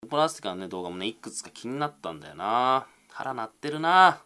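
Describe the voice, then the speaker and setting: A man's voice: lowish voice, big pitch swings, racing, sharp tone, clean tone. A young man, reading viewer comments aloud on a casual livestream and answering them with self-deprecating, mumbled asides.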